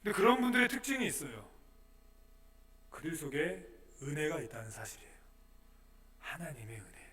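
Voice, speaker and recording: A pastor preaching in a church sanctuary, his voice high and bright. He poses questions to the congregation, dropping soft and then rising to forceful emphasis. He sounds a little distant from the microphone. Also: sing-song, fairly quick. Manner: preaching with rhetorical questions, swings from soft to loud. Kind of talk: sermon.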